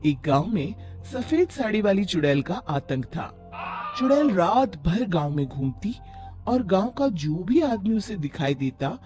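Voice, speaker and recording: Lively, bright-toned story narrator. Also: mid-range voice, measured pace. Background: music.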